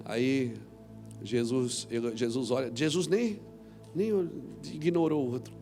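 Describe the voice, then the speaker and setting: A man preaching a sermon as pastor, acting out scripture voices and swinging from quiet talk to shouts. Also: medium pitch, slow, faint music behind. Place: church hall.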